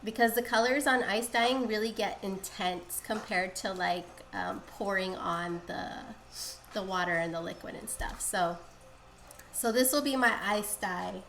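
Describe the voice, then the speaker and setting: A woman's voice: mid-range voice, unhurried, a bit bright. Congested, nasal-sounding woman streamer. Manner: chatty, rambling explanations. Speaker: craft streamer. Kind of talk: casual live-stream dyeing tutorial. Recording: echoey room, faint background hiss.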